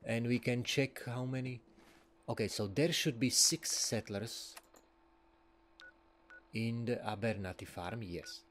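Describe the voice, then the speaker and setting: A man's voice: medium pitch, steady tone, slow, long pauses, a bit bright, slight background noise. A man giving casual, rambling commentary while playing a video game, often chuckling. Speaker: let's play gamer.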